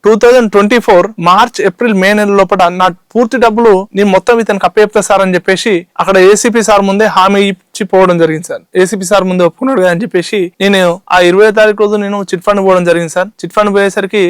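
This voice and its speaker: A man with a Telangana Telugu accent talks at a breakneck clip in a high, clear voice. He recounts his grievance with urgency, recounting dialogue and calling the interviewer sir again and again. The sound is close and dry. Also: fairly even intonation, fast, hardly any pauses, no room sound. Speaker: chit fund victim interviewee. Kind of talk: interview testimony.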